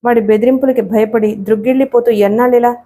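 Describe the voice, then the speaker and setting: A woman's voice: fairly high pitch, fairly even intonation, fast talker, dark tone, natural voice. A woman voicing an anxious middle-aged mother who speaks in a pleading, heartfelt way.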